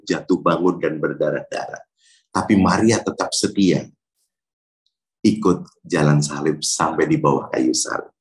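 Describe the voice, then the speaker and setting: A man from Indonesia, a Catholic priest, joking in a devotional chat and reciting rhyming verses. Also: low voice. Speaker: Catholic priest, guest speaker. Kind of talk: relaxed devotional chat with rhymes and a hymn.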